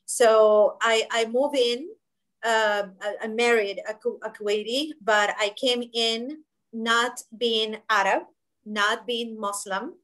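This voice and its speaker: Woman, 30s, webinar panelist on a video call; slightly high, emphatic, restarts a lot. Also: a bit bright, low-quality recording. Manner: emphatic, gestures with hands, frequent fillers and restarts. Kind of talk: conversational panel discussion. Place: home office, indoors. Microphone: laptop webcam video call.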